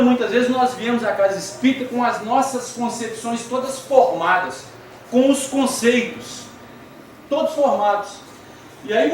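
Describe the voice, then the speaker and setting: A very high-pitched man with a Brazilian Portuguese accent lectures an audience at a spiritist center, keeping it conversational, putting questions to listeners and sharing funny anecdotes. The hall echoes, the mic sits far off, and there's faint background noise.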